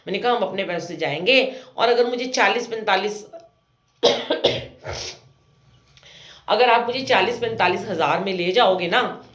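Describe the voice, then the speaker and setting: A woman in her fifties tells a devotional story about her life in with a lilt. She chats along with plenty of fillers and acts out what her family said. Her voice sits at a middle pitch, and the room adds a noticeable echo. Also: measured pace, long pauses, fairly bright tone. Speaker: satsang storyteller. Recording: roomy echo.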